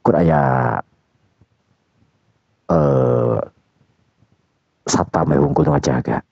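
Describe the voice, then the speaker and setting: A man voicing a handsome young man who calmly coaxes his girlfriend. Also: extremely low pitch, drawn-out words, gravelly, husky, dry recording, voice pushed down, heavily acted. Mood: explaining. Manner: coaxing, calm reassuring. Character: handsome young man Raka, smooth persuader. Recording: dull dry lo-fi recording.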